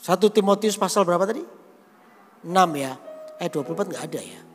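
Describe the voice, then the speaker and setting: A man's voice: high-pitched, expressive, fast talker. A male pastor preaching a sermon, telling a story with acted dialogue and calling out to his congregation. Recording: reverberant church hall with music.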